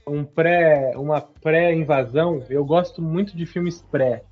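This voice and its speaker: A man's voice: fairly high pitch, unhurried, phone-quality sound, faint music behind. A man co-hosting a casual podcast chat, thoughtful and enthusiastic. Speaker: podcast co-host.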